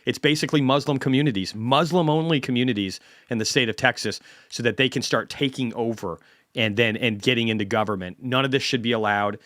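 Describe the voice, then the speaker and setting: Male stream host, blunt profane rant, mid-pitched voice, dry close sound. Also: brisk, fairly bright tone, no room sound. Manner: blunt, heavily profane, ranting. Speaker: host of a market commentary stream. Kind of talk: unscripted ranting commentary.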